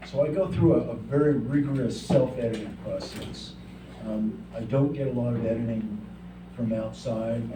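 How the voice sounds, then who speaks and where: A man talks with an American accent and ordinary pitch variation. Noticeable background noise and audible room echo fill the recording. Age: 70s. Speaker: author and journalist. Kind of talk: press conference Q&A. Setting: book launch event.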